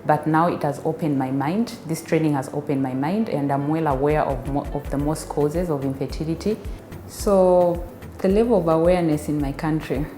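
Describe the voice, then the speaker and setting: Low-voiced Zambian woman, hesitant. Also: steady tone, moderate pace, mellow. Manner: hesitant, many fillers and restarts. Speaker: biomedical scientist giving a testimonial. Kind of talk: filmed testimonial interview. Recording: echoey room with faint music.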